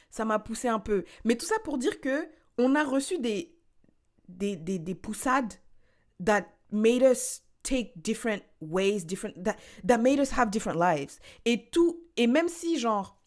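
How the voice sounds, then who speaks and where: A woman from France co-hosting a podcast, explaining her points in lively casual talk and slipping into English now and then. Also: medium pitch. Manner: lively, repeats herself while building a point. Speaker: podcast co-host. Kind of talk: casual chat, mixing French and English.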